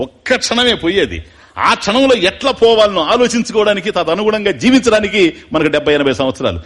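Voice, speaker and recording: Animated husky man giving a devotional discourse. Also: high-pitched. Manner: animated, chants Sanskrit verses slowly and musically. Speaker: spiritual lecturer.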